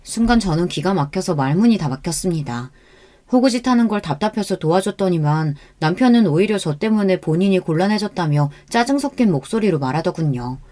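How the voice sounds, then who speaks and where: A woman narrating a scripted first-person life story in a steady, earnest way. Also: on the low side, brisk.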